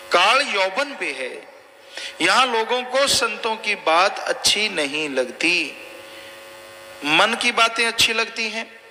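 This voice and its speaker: Man preaching a bright, booming sermon. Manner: exhorting, repetitive warnings. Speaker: spiritual preacher. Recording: long hall reverb, faint noise.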